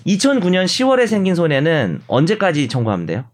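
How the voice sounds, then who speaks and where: A man's voice: a little high, huge pitch swings, fast talker, slight background noise. A man co-hosting a casual discussion, explaining things step by step with a teasing streak. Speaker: podcast co-host.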